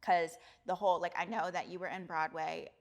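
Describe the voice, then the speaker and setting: A woman's voice: lowish voice, little pitch movement, a little fast, vocal fry. A woman hosting a casual sit-down interview, with playful teasing and encouraging interjections. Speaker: host.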